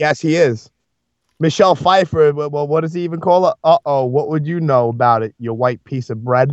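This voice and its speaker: At a moderate pace with ordinary pitch variation, this is a normal speaking voice. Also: man, fairly high pitch for a man. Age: 40s. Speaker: hardcore music show promoter. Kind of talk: casual chat.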